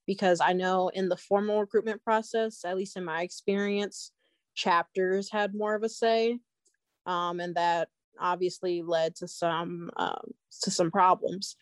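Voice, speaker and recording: A young woman giving anonymous interview answers, her voice disguised and pitched down to hide her identity, speaking slowly with fillers. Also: no echo. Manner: slow, measured, with fillers like "um" and "like".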